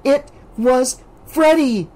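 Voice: high-pitched, extremely slow, darkish tone, pitched above the performer's own voice. A reader voicing a frightened, haunted teenage girl who talks tremulously and pleads to be believed. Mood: desperate. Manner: tremulous, whispering.

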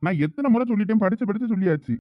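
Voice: mid-range voice, expressive, racing, dry recording, highs cut off, natural voice. A performer playing an irritated college-going son arguing with his mother in a village comedy skit, with a Thoothukudi Tamil accent. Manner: irritated, argumentative.

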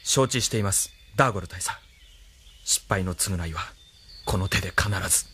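A man's voice: sits low, normal speed, sharp tone, slight background noise. An actor playing a proud young male pilot officer who answers in blunt, clipped lines in an anime radio drama. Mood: resolute. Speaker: military pilot, lieutenant.

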